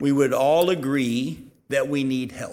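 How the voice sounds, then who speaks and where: At a fairly slow pace, a man speaks with a fairly high pitch and ordinary pitch variation, with audible room echo around him. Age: 50s. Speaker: bible teacher. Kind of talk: sermon.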